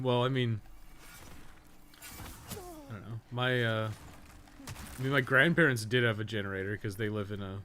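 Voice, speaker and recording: Casually chatting while gaming live, a young man who streams games and co-hosts a podcast rambles, curses and laughs readily. He has a mid-range voice with a fairly bright tone.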